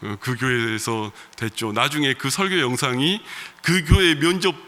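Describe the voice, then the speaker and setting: A man in his thirties, a pastor, preaching a sermon in a church, moving between loud emphatic calls and quiet storytelling. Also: mid-range voice, normal speed. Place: church sanctuary. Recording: long reverb of a church hall.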